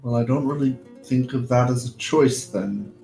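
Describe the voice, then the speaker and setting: A man's voice: medium pitch, normal speed, creaky, mellow. Man gaming in a roomy, echoey space. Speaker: tabletop game player. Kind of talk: casual chat, in-game reactions. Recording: roomy echo, faint guitar music.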